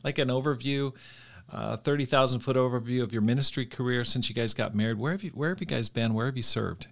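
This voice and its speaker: A man's voice: mid-range voice, fast, gravelly. A man hosts a podcast interview. He asks his questions with eager, curious enthusiasm. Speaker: podcast host.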